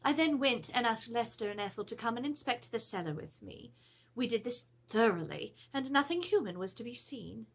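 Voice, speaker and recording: A woman's voice: fairly high pitch, normal speed. A middle-aged woman playing an Edwardian English lady, formally and theatrically reading out her letter about a haunted household. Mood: grave, uneasy. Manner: formal, theatrical, expressive storytelling. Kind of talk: dramatic reading of a period letter. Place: small room with draped cloth backdrop.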